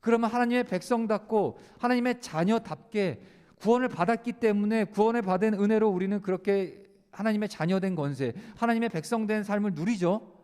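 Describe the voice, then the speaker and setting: A man with a high voice preaches to teenagers in a church sanctuary. He asks questions aloud and answers them himself, with plenty of "uh" fillers, and his words ring out with a long hall echo. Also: fairly quick, darkish tone, clear, resonant tone. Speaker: preacher to a high school youth service. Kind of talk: sermon.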